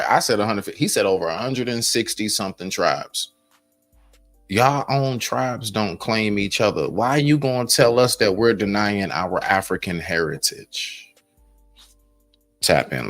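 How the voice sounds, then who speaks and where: An emphatic man jumping into a live-stream debate to back up his side. His voice sits a bit low for a man, and faint music plays behind him. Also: expressive, a little slow. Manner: emphatic, rallying others. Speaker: debate panelist.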